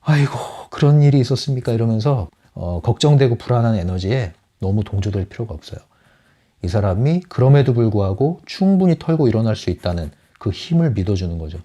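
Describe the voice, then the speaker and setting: A man's voice: lowish voice, sing-song, brisk, warm tone, breathy edge. A man giving a lecture on a book as a psychology counselor, often asking his audience rhetorical questions. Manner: asks the audience rhetorical questions, acts out quotes.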